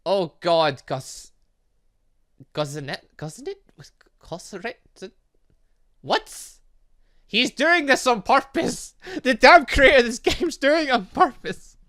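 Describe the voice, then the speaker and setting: Gaming streamer, medium pitch, very animated: casual, excitable commentary that rambles into exasperated asides while reading game text. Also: slow pace. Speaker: gaming video host. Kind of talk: casual let's play commentary, reading game dialogue aloud.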